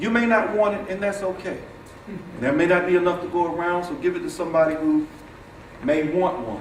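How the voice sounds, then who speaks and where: A loud, high-pitched man's voice at a fairly quick pace, broken by long, frequent pauses, with audible room echo and noticeable background noise. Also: ordinary pitch variation. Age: 40s. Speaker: political activist and former Senate candidate. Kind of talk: public speech. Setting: stage with audience, no mic.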